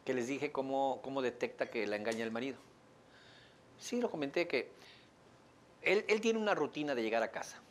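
A man's voice: medium pitch, lively intonation, a little fast, pauses often, a little hiss or hum. Playful Mexican man lecturing an audience. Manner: playful, joking, asks the audience questions. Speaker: speaker teaching an audience. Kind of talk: lively lecture to a live audience.

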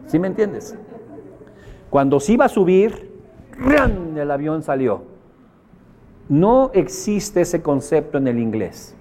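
A man's voice: fairly high pitch, sing-song, takes it slowly, long pauses, darkish tone, a little hiss or hum. A man with a Mexican accent giving a motivational seminar talk to a group. He speaks colloquially and emphatically, repeats phrases for effect and puts questions to his audience.

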